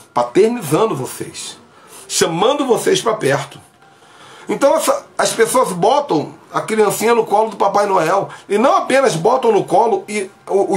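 Casting: male preacher, fairly high voice, emphatic, bedroom phone stream. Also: vocal fry. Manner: emphatic, gestures broadly, speaks to viewers directly. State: sick with covid, isolating. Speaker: pastor. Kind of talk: livestream preaching. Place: small bedroom at home. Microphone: phone camera at arm's length.

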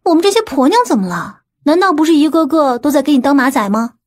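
A woman's voice: high-pitched, very animated, fast, darkish tone. A woman playing a pert, teasing businesswoman in an audiobook, with a coquettish, reproachful manner.

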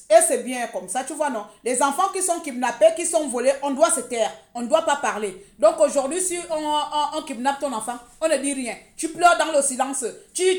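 A woman from Gabon speaks on a live social media stream in a high voice. Her talk is heated and mocking, and she hammers the same words again and again. The phone recording picks up a roomy echo. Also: a little mellow. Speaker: online commentator.

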